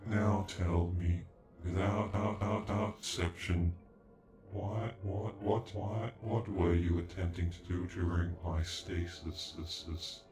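A proud, indignant android, acted by a man speaks in a very low voice with stiff formality. The sci-fi ASMR roleplay has a strong echo around the voice and music underneath. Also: steady tone, slow. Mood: glitching, insistent. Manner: stilted, formal, stuttering on glitched words. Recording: echoey, with background music.

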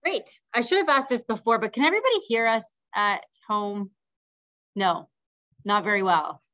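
A woman's voice: fairly high pitch, moderate pace, a bit bright, no room sound. A woman facilitating a committee meeting, moving between informal remarks and procedural reading. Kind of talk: procedural meeting talk, partly read out. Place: meeting room, hybrid video call. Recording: dull, muffled meeting audio.

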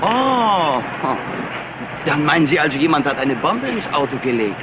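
Cocky, brainy young chemist. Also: male voice, fairly high pitch, very animated, moderate pace, very noisy. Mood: mocking, assured. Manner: smug, teasing, self-assured. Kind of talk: German crime drama acting.

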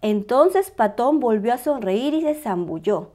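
A woman reading a picture book aloud as a storyteller, with expressive, dramatized narration for small children. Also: on the high side, unhurried.

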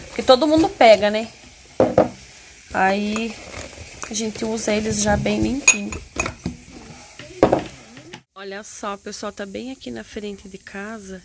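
Speaking in a medium-pitched voice with a Paraná Brazilian Portuguese accent, a woman narrates her cooking step by step in a home kitchen with a wood stove, often addressing her viewers. Captured on a phone camera, the audio has a noisy background with food sizzling.

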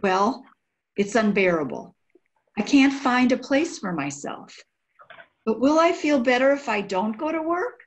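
An older woman gives a dramatic, emotional, halting reading of a diary. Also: a little high, animated. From United States. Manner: emotional, halting, sighing delivery. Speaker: volunteer diary reader. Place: indoor room by a window.

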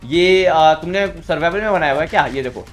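Excitable fast-talking young gamer man. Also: fairly high pitch, faint music behind. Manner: excitable, repeats words rapidly. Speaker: gamer streamer. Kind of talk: live game commentary.

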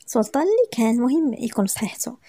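A woman voicing a playful, affectionate young husband in a story, with a Moroccan accent and calm, matter-of-fact delivery. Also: a little high, racing, slightly rough, no room sound, heavily acted. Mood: reassuring. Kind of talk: storytelling with acted dialogue.

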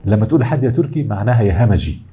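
A man's voice: on the low side, very animated, rapid-fire, mellow, slightly rough, muffled recording. A middle-aged man with an Egyptian accent giving an academic lecture, explaining step by step and answering his own questions. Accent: Egyptian Arabic.

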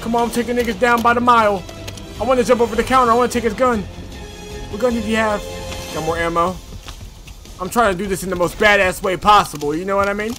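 A young man streaming a shooter game on a headset, loud, excitable and profane in his commentary. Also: high voice, fast, soft background music. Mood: excited. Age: young adult. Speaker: gaming streamer. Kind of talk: casual gameplay commentary.

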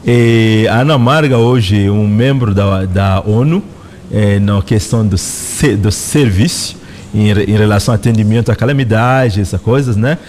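A middle-aged man with a Congolese accent speaks slowly and thoughtfully into a close studio mic. His voice sits fairly low, and he explains each point with care, as a guest answering interview questions in a radio studio. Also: a little mellow, a little hiss or hum. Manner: measured, reflective explaining. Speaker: representative of a spiritual organization, guest. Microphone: studio microphone close in front.

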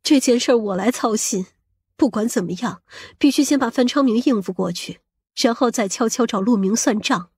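A woman acts a brash, scheming middle-aged mother in an audiobook drama. Her high voice has a husky edge, and she talks in a boastful, scolding way, vain and coarse-tongued. The sound is dry and close. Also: moderate pace, a little mellow, no room sound. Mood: plotting. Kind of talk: audiobook character acting.

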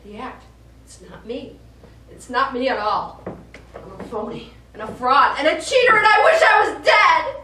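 High-pitched frantic stage diva played by a woman, distant. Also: lively intonation, normal speed. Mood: anguished. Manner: theatrical, emotional outbursts. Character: frantic, worn-out female ventriloquist unravelling before a show. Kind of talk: live stage play acting. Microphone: far camera. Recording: distant noisy echoey stage camera recording.

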